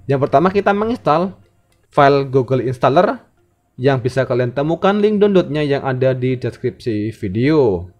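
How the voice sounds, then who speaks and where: A man's voice: mid-range voice, expressive, normal speed, a little mellow. A man hosting a tech tutorial in methodical, scripted narration. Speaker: tech channel host. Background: background music.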